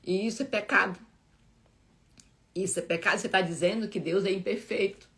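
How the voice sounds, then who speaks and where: A woman giving a heartfelt, informal devotional talk as host of a live Bible reading, halting often with restarts and fillers. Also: medium pitch, steady tone, fairly bright tone.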